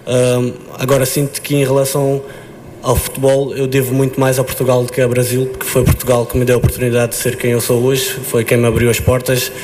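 Young male footballer, monotone, halting answers; slight ambient noise. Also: mid-range voice. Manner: hesitant, frequent restarts and fillers. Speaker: footballer at a press conference. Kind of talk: press conference answers.

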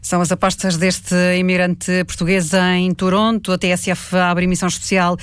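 A man reading radio news in a studio, measured, with the odd filler. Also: high voice, little pitch movement, crowd noise. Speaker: news anchor. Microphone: studio mic.

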